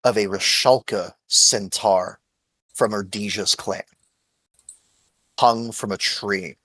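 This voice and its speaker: A man's voice: on the low side, fairly even intonation, takes it slowly, fairly bright tone, breathy edge, no room sound. A man narrating a tabletop role-playing game as game master.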